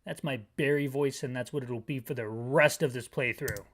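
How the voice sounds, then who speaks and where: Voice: medium pitch, moderate pace. An adult let's player audibly describing a game, with wry, rambling asides and comic rants.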